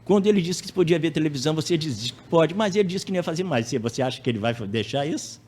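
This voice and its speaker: A man's voice: a little high, lively intonation, racing, darkish tone, husky. A man voicing a stern female child-rearing expert who lectures parents firmly. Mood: firm lecturing. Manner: firm, lecturing.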